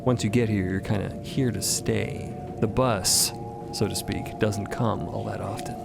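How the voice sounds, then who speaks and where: A man's voice: lowish voice, steady tone, measured pace, vocal fry, loud music behind the voice. A man narrating a scripted fiction podcast with conversational, wry asides.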